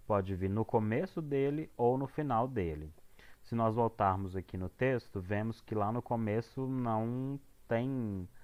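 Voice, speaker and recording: A man's voice: fairly low pitch, darkish tone. A male English teacher with a Brazilian Portuguese accent, explaining homework to students in a casual, hesitant way with many fillers and restarts.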